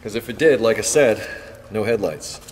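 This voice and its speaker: Low-voiced man explaining car repair. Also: normal speed. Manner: relaxed, talks while working with hands. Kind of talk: casual how-to demonstration. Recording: long reverb with faint background noise.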